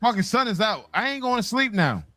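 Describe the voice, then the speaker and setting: A man's voice: sits high, very animated, fairly quick, bright, forceful tone, dry recording. A tired man who hasn't slept, chatting on a livestream with loose, profane talk. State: tired from no sleep. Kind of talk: casual livestream chat.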